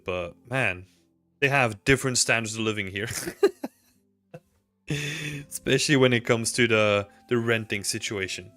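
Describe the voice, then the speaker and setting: A Belgian man in his thirties hosts a livestream, his mid-range voice pushed and bright. He chats casually with viewers and answers their chat questions, rambling with lots of fillers. He's in a small room at home, speaking into a desk mic and wearing headphones.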